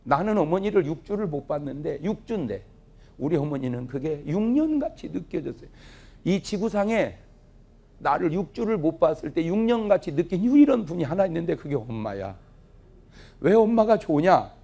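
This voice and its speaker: Middle-aged male pastor, husky and animated, storytelling sermon that plays out family dialogue. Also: a little high, moderate pace. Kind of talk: revival sermon with humorous stories. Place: church revival meeting, audience laughing.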